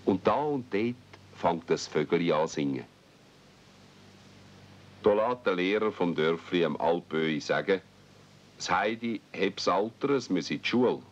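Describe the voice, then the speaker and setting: Male narrator, Swiss German, very low register, radio-play storytelling, slightly muffled vintage 1970s recording. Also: lively intonation, a little slow, pauses often.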